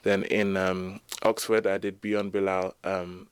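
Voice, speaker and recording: A young man from the UK, a guest in an interview, telling his story fluently and quickly. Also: sits low, flat delivery, smooth, dry recording. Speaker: guest speaker on Islamic history. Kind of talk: conversational interview.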